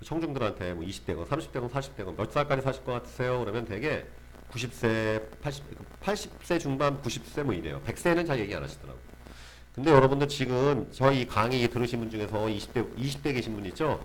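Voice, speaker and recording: Audible room echo surrounds a man's voice at a medium pitch. He talks at a fairly quick pace with lively intonation. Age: 40s. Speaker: sales lecturer. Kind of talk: online lecture. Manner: animated.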